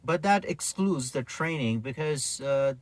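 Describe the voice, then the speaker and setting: A man's voice: fairly high pitch, animated, unhurried, no room sound, poor audio. A man in his forties from Pakistan, speaking conversationally as he explains things like a taxi driver being interviewed. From Pakistan, grew up in Karachi, later the UK. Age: 40s.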